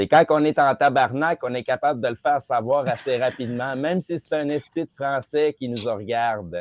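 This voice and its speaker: The speaker has a Quebec accent and a moderate pace. There are hardly any pauses. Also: man, medium pitch for a man, ordinary pitch variation. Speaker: radio co-host. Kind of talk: casual chat.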